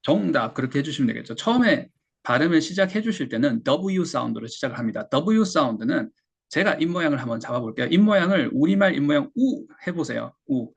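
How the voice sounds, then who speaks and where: Korean guy teaching english, gravelly husky voice, patient, repeats words slow. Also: on the high side, expressive. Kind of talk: explaining lesson.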